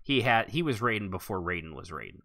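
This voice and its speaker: A man's voice: lowish voice, sing-song, fast, a crowd in the background. A man hosting a casual roleplay gaming podcast, rambling and joking, often laughing as he talks. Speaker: podcast host.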